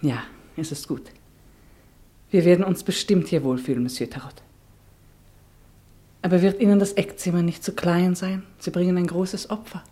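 An actress playing a weary, homesick exiled wife in a radio drama, with a hushed, wistful delivery and dramatic pauses. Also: female voice, fairly low pitch, natural voice. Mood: polite, subdued. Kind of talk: mid-century German radio drama acting.

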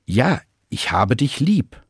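A man's voice: mid-range voice, big pitch swings, takes it slowly, slightly rough, dry recording, clean studio sound, pitched above the performer's own voice, heavily acted. A man voicing a flustered fisherman disciple who stammers, then grows exasperated. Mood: stammering. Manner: stammering, rising and agitated.

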